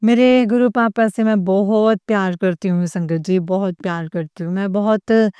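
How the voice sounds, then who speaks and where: Earnest woman giving a halting devotional testimony. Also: medium pitch, steady tone, warm tone, clear, resonant tone, dry recording. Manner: earnest, repetitive, halting with fillers. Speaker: devotee sharing her experience. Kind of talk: personal testimony to a spiritual gathering.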